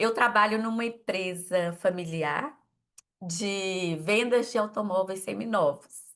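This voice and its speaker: A woman at a medium pitch, very slow pace and ordinary pitch variation. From Minas Gerais, Brazil (Belo Horizonte). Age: 40s. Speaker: affiliate salesperson. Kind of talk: testimony.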